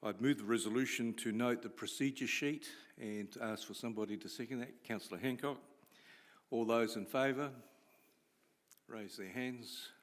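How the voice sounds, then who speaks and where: A man with a New Zealand accent chairing a council committee meeting, procedural and halting with fillers, at a desk microphone in a large chamber. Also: medium pitch. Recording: long reverb of a council chamber.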